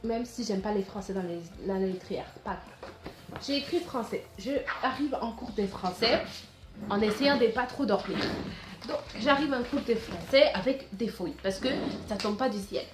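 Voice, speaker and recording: A woman's voice: mid-range voice, normal speed, roomy sound, over music. A teenage girl vlogging casual back-to-school tips in a chatty, rambling way, full of restarts and fillers. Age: teens.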